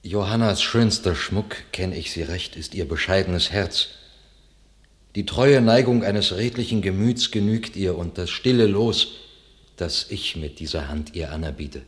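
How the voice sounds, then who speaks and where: An actor playing an honest, modest knight, offering formal, measured classical verse in a radio drama. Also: male voice, low voice. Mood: sincere, humble.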